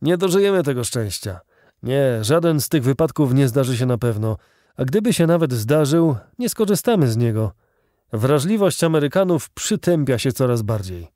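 A man reading the calm, measured lines of an elderly male colonel in an audiobook. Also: medium pitch, dry recording, studio quality, pitched above the performer's own voice, close to an everyday voice.

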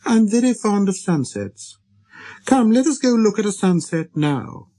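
Storybook child prince, performed by an adult man: high, light voice, earnest, insistent, quick to indignation, swooping intonation. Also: expressive, warm tone. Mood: eager, innocent. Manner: insistent, questioning. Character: earnest, persistent, easily indignant little boy prince.

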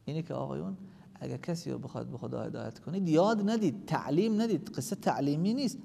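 Male cleric, gravelly, slightly high voice; tells stories softly, then rises to forceful appeals. Long reverb. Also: lively intonation. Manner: builds from a low, quiet telling to loud, emphatic exhortation. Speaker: cleric preaching. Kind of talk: storytelling sermon. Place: large religious hall.

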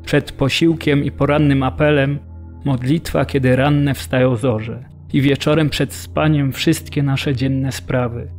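An actor playing an earnest prisoner who recounts his captivity in measured storytelling for a radio documentary drama. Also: mid-range voice, fairly even intonation, darkish tone, faint music behind, close to an everyday voice. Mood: earnest, sober. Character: earnest male Polish prisoner recalling hunger and discipline.

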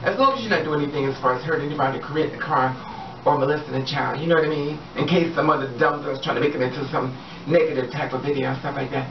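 A woman's voice: sits low, rapid-fire. A middle-aged woman vlogging straight to the camera in a hallway at home, blunt and sassy, with swearing. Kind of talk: direct-to-camera monologue. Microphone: camera a few steps away. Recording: roomy, distant, dull sound with background hiss.

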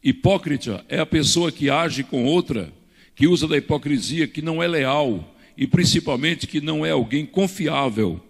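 An older male pastor delivers a teaching sermon from a pulpit, pushing his points with emphatic rises. His voice sits a touch high. It rings out with the long reverb of a church hall, picked up on a handheld mic. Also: lively intonation, normal speed, vocal fry. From Brazil. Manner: preaching with emphatic rises and hand gestures. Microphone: handheld microphone.

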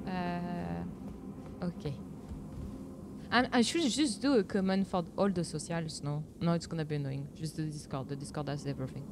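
A woman's voice: moderate pace, background noise. A young woman with a French accent, chatting playfully with viewers while streaming a game, often giggling. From France. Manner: playful, bursts into giggles, swings high when protesting. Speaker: VTuber streamer. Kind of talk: casual gameplay chat with viewers.

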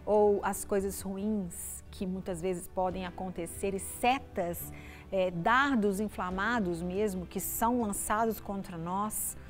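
This middle-aged woman pastor, whose accent is Brazilian Portuguese, talks slowly in a mid-range voice while faint music plays. She addresses the viewer from a TV studio through a lapel mic, keeping her brief devotional conversational and asking "né?" again and again.

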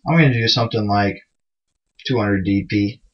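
This screencast host has a lowish voice and a moderate pace, walking through programming in a relaxed, self-deprecating way packed with fillers. The audio comes from a dull lo-fi microphone.

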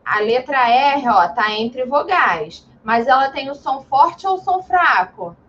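A woman's voice: high voice, animated, slight background noise. A woman teaching an online class to young children, patient and encouraging, with lo-fi video call audio. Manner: patient, slow and encouraging, calls herself "tia". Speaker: primary school teacher.

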